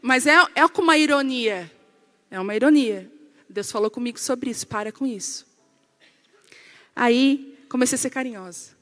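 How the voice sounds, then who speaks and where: A woman's voice: a little high, moderate pace, long pauses, faint music behind. A woman pastor, preaching in a humorous storytelling style and acting out dialogue in changing voices. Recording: long reverb of a large hall.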